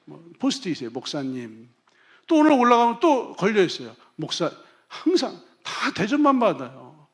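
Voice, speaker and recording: High-voiced man preaching a sermon. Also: huge pitch swings, moderate pace. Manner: emphatic preaching, swinging from soft to loud. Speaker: pastor.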